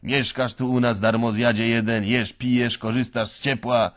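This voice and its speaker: A man's voice: mid-range voice, little pitch movement, moderate pace, voice pushed up, close to an everyday voice. A scornful, scolding woman, as a man puts her on. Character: harsh, scolding poor mother, woman.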